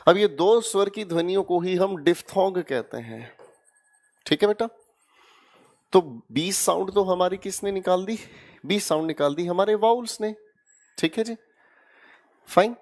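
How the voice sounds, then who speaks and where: A man's voice: sits high, measured pace, long pauses. A man with an Indian accent teaching English grammar in an online exam-prep lecture, coaxing students and checking again and again that they follow. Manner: coaxing, keeps checking students with "haan ya na?" and "theek hai beta?".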